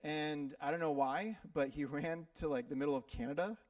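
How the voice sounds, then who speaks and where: A man from Minnesota preaches to his church in a relaxed, conversational style, often stumbling over and repeating words. His voice sits a little high for a man. The sound is dry and a bit distant, as if the mic is some way off. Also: moderate pace, no room sound. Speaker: pastor. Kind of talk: sermon. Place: church sanctuary.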